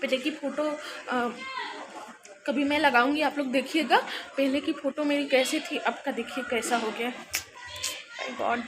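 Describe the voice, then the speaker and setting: Young woman, high voice, easy home-vlog chatter with frequent laughs, phone mic indoors. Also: steady tone, moderate pace, noisy background. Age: young adult. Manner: chatty, laughs often while talking. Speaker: vlogger. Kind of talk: casual home vlog chat.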